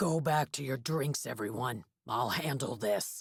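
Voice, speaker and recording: This put-on character voice is gruff and growling, set at a low-to-middle pitch and delivered at a moderate pace. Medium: read story. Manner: gruff, hostile.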